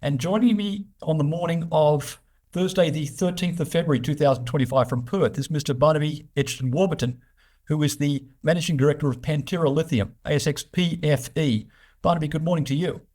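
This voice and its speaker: A man's voice: a little high, brisk, a little mellow. A man interviewing a guest on a business show, speaking conversationally with hesitant phrasing.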